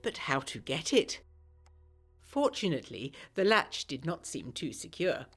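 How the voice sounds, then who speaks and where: Expressive genteel 1920s lady narrator. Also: low voice, a little slow, husky, soft background music, exaggerated voice. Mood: sly, pleased. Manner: genteel, expressive, bookish diction. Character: eager, self-pleased young 1920s woman recounting an adventure. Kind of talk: gothic period audio drama narration.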